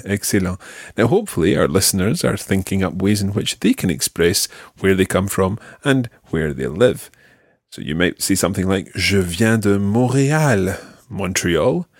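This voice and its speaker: Slow, lively man teaching. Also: fairly low pitch, dry recording, clean studio sound. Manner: slow, clear teaching delivery with drawn-out model phrases. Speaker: language teacher and podcast host. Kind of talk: podcast language lesson.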